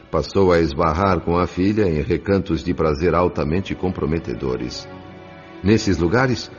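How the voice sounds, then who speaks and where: A man giving scripted, dramatic narration for an audiobook radio drama. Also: sits low. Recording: dull audio over soft music.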